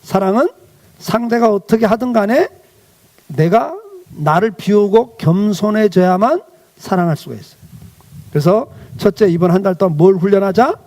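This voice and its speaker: A man's voice: sits high, animated, normal speed, a little mellow. A male pastor giving a children's sermon, asking the children questions and then answering them himself.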